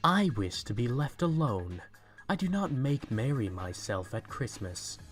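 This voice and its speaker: A man's voice: mid-range voice, big pitch swings, unhurried, faint music behind. A man playing a cold, miserly, irritable company boss in a fan audio drama, curt and scornful.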